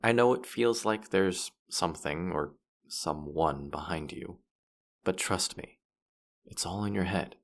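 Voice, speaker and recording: A man's voice: deep voice, a little slow. A man playing a teasing, boastful demon who guides souls through the afterlife in a roleplay audio drama, condescending and playful. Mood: coaxing, guiding.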